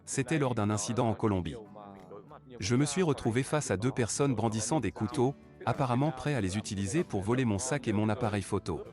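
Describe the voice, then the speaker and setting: A man reading translated interview answers as a news voice-over, in a measured, even way. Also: lowish voice. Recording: voice-over with music beneath.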